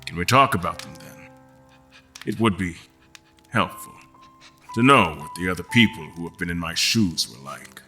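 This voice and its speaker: An actor playing a frustrated, wry mortal guest in an audio drama, choosing words in a deliberate, formal, dry manner. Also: male voice, low-pitched, pushed and bright, soft background music. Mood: careful, probing. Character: mortal male guest, frustrated, wry, carefully probing captors. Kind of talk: audio drama acting with first-person narration.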